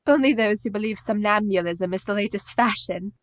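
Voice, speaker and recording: An actress playing an earnest, sensible young woman in a stage radio play, speaking in a measured, gently wry way. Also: mid-range voice, no echo, natural voice.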